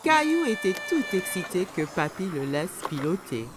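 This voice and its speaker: A woman's voice: lowish voice, big pitch swings, normal speed, background noise. A woman reading scripted children's story narration as the storyteller of a cartoon.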